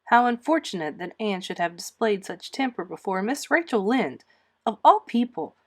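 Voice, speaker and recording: A woman's voice: medium pitch, expressive, moderate pace. Woman reading a children's novel aloud. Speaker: storybook reader. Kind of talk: expressive read-aloud narration of a children's novel.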